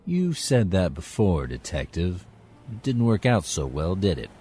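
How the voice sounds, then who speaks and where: An actor playing a smug criminal informant in an audio drama, taunting and at ease. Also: male voice, low-pitched, very animated, a little slow, mellow, slight background noise. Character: smug, unhurried male criminal informant squeezing for money.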